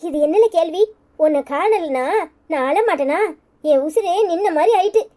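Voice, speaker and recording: A woman's voice: extremely high pitch, lively intonation, normal speed, warm tone. A woman voicing a fierce, tearful village mother in a cartoon, with a Tirunelveli Tamil accent. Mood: worried. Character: emotional, fiery village mother. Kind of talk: cartoon voice acting.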